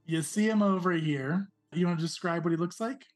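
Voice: medium pitch, fairly quick. A game master narrating a tabletop role-playing game in a descriptive, amused way.

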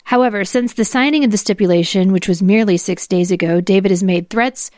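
Female podcast host, formal read-aloud of legal paperwork with small asides, mid pitch, very dry recording. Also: fairly quick, a little mellow, no echo. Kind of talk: dramatic reading of legal documents.

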